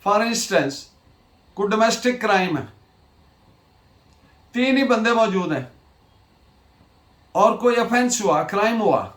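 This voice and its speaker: A high-pitched male lecturer with a Pakistani accent speaks extremely slowly and deliberately. He teaches in a didactic manner, stressing points by repetition. The recording is roomy and echoey. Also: expressive, a bit bright. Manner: deliberate, didactic, repeats key phrases. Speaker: law lecturer. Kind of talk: lecture on legal principles, mixing Urdu and English.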